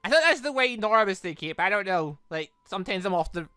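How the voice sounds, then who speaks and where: Bright-voiced, reactive game commentator, dry close sound. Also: medium pitch, lively intonation, quick pace, clean tone, no room sound, soft background music. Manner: emotionally reactive, rambling. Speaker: let's play host. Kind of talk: playthrough commentary mixed with read-aloud dialogue.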